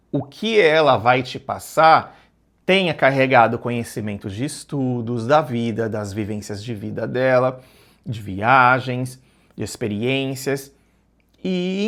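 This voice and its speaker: A man telling a personal story in a reflective, measured way, often repeating and rephrasing his words. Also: medium pitch, fairly bright tone.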